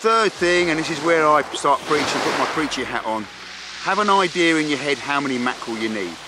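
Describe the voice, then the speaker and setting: A man's voice comes through dry and echo-free at a medium speed, with loud noise behind it. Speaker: fishing instructor. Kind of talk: tutorial. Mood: earnest, preaching. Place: beach. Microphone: phone near.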